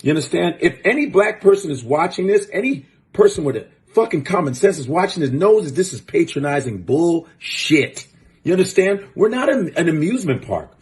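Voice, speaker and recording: A man rants as host of a casual commentary show, blunt and profane, his voice climbing and dropping with lively swings. He sits a touch high for a man. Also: fairly quick. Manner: blunt, profane, fired-up ranting.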